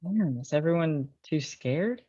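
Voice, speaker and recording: A man's voice: fairly high pitch, animated, unhurried, warm tone, husky. Man playing a hesitant miner, muffled sound. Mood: subdued. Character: wary, defensive miner reluctant about the union. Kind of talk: script table read.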